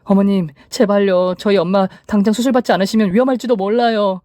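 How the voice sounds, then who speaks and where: A desperate young wife, as a male storyteller puts her on, pleading in a strained voice pitched well above his own. The sound is close and dry, like a storybook reading. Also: fairly even intonation, fast, darkish tone, no room sound, close to an everyday voice.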